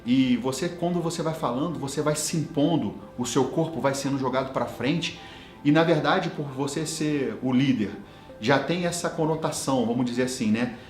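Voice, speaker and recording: A man in his thirties, a business coach, giving a motivational talk to leaders and telling personal stories with lively quoted dialogue. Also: mid-range voice, normal speed, echoey room, faint music behind.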